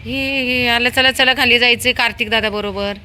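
Over music, a woman with a voice on the high side speaks at normal speed with fairly even intonation. She is on her home terrace filming her dog and a small child, chatting casually and coaxing them in a sing-song baby-talk voice.

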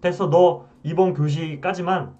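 A man's voice: on the high side, fairly even intonation, a little slow, mellow, highs cut off, lightly acted. A man voicing a stern male schoolteacher who scolds and warns a student, heard a little distant with music behind. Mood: scolding. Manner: scolding, warning.

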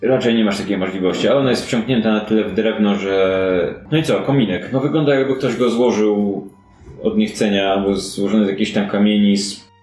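A man narrating a fantasy detective tabletop game as game master, improvising in a conversational, halting way. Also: lowish voice, steady tone, darkish tone, soft background music. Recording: roomy echo, audible background noise.

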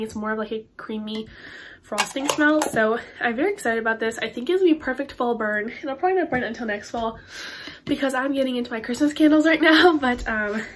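A woman's voice: fairly high pitch, slight background noise. Stuffed-up teenage girl chatting about candles. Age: teens. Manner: chatty, rambling with many ums and likes. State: stuffed-up nose. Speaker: beauty and candle vlogger. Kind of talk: casual haul review to camera. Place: bedroom with Christmas tree and curtains, indoors.

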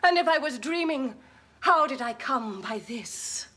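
A woman's voice: high voice, animated, a little slow, sharp tone, exaggerated voice. A swooning British noblewoman. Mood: melodramatic. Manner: melodramatic, tearful. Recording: hissy old TV recording.

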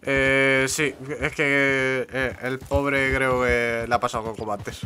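A man's voice: medium pitch, faint music behind. A young Spanish man with a Madrid accent, chatting casually on a headset mic while streaming a co-op game, with many fillers and restarts. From Spain. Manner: relaxed, halting, with frequent fillers. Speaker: gameplay streamer. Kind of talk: casual co-op gaming chat.

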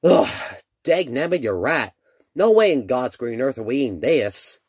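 A man voicing an excitable, folksy animatronic bear in an exaggerated, overacted cartoon fandub style. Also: mid-range voice, moderate pace, slightly rough, no room sound, studio quality. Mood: exasperated.

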